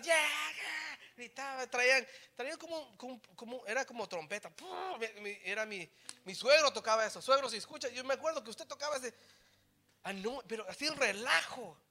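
A pastor with a Latino Spanish accent preaches a bilingual sermon, switching into English mid-sentence while speaking Spanish. He swings from loud, forceful passages to quiet, low-key emphasis.

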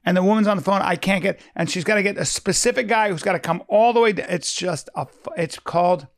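A man's voice: sits high, fast talker, no room sound. A man in casual chat, telling stories bluntly, with swearing and many restarts. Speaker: podcast co-host.

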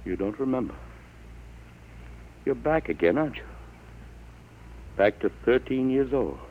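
A man's voice: mid-range voice, lively intonation, a little slow, natural voice. An actor playing an anxious, devoted father in an earnest 1950s radio drama style. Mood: grave, resolved. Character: anxious, devoted father of a thirteen-year-old boy. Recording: tinny, noisy vintage radio recording.

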